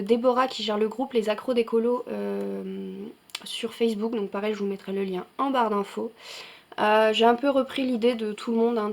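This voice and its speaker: A woman's voice: fairly high pitch, a little mellow. Chatty French woman showing coloring pages. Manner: chatty, many fillers and self-corrections. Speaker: coloring channel host. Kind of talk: casual show-and-tell vlog.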